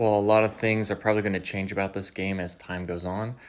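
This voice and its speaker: Over a quiet background, a man with a normal speaking voice talks at a fairly quick pace and a fairly low pitch. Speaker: aspiring board game designer and vlogger. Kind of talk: casual video diary.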